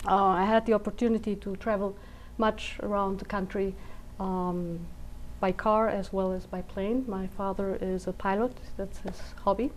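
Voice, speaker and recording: A woman's voice: medium pitch, fairly even intonation, moderate pace, slight background noise, low-quality recording. A woman from Venezuela speaking as a geologist on a panel, hesitant and full of fillers. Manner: hesitant, many fillers and restarts. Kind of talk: panel discussion.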